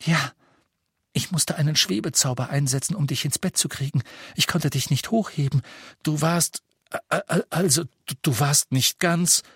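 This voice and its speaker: Male reader playing a panicky young witch in a storybook: shrill, hurried, dry close sound. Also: slightly rough, no room sound, heavily acted. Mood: flustered. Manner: urgent, high-pitched and loud, stammering. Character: anxious young witch, caring and frightened.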